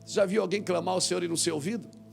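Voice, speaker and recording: A man preaching a sermon as pastor, acting out scripture voices and swinging from quiet talk to shouts. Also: high-pitched, steady tone, racing, gravelly, soft background music. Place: church hall.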